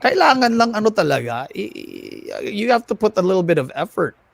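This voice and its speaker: A man with an American accent speaks in a fairly high voice with very little room sound. He chats casually and with animation, as if on a livestream. He pokes fun at himself and halts a little when he switches languages. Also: creaky, no echo. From United States, of Filipino family. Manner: animated, self-deprecating, halting when switching into Tagalog. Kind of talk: casual livestream chat mixing English and Tagalog. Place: online video livestream.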